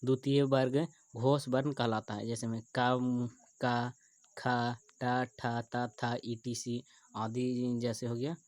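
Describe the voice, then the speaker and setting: A man explains grammar rules at an unhurried pace, repeating each term and example as he goes. His voice stays flat, with little rise or fall. The recording is dry and close, with no room sound. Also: mid-range voice, no echo. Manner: repeats terms and examples slowly, thinking aloud. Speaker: teacher. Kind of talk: Hindi grammar lesson over screen recording.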